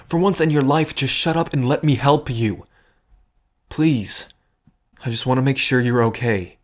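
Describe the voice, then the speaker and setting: Someone acting a stubborn protective friend, firm and caring, dry sarcasm, mid-pitched voice, audio drama. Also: a little slow, close to an everyday voice. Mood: exasperated.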